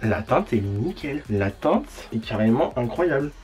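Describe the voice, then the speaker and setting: A man's voice: medium pitch, sing-song, unhurried, a little mellow, soft background music. A man chatting casually through a makeup review at home, rambling with lots of fillers and slang and laughing at himself now and then. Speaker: beauty vlogger.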